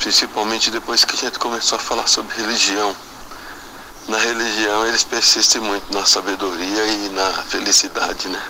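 Over noticeable background noise, a man talks in a flat monotone at a moderate pace, his pitch fairly low. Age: 50s. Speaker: listener sending voice message. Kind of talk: voice message.

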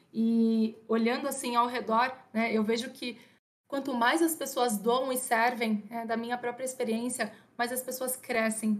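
At a fairly slow pace, a woman speaks in a high voice with monotone, flat intonation. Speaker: startup co-founder. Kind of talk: casual interview.

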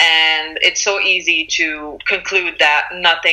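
A woman's fairly low, monotone voice with flat intonation at a fairly slow pace, over noticeable background noise. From Morocco. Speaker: author and wellbeing coach. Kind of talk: interview.

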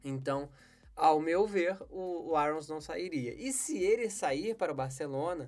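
Lively intonation marks this voice. He is a man speaking at a high pitch. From Brazil. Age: 20s. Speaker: football podcast host. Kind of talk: casual football podcast monologue.

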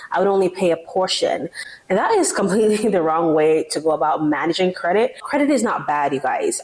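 A woman with a Jamaican accent speaks at a moderate pace. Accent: Jamaican-tinged English. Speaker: podcaster and entrepreneur. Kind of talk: personal testimony monologue. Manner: casual, chatty.

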